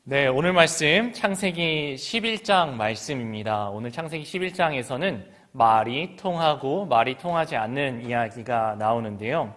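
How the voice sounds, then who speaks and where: A man's voice: medium pitch, lively intonation, normal speed, hardly any pauses, fairly bright tone. A middle-aged man from Gangwon Province in Korea preaching a sermon, reading scripture and then talking to the congregation in a chatty way, with questions for them. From Gangwon Province, South Korea. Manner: reads scripture then talks conversationally, asking the congregation questions. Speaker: pastor.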